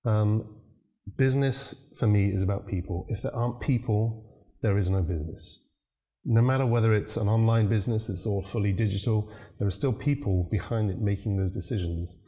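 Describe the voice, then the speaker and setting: A man, a new parent, answering interview questions about business and communication in a measured, reflective way. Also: on the low side, mellow. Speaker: business consultant guest.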